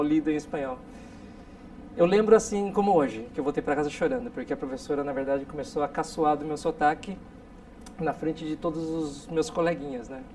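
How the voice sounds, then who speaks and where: A man's voice: fairly high pitch, darkish tone. Man in his 40s from korea, guest telling stories, keeps saying "right?", mic kinda far off. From South Korea. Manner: storytelling, frequent tag questions. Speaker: interview guest. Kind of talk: casual interview talk. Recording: distant mic with faint noise.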